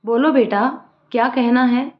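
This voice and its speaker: A woman voicing a caring middle-aged mother who speaks gently and firmly. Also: a little high, steady tone, measured pace, lightly acted. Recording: roomy lo-fi room sound.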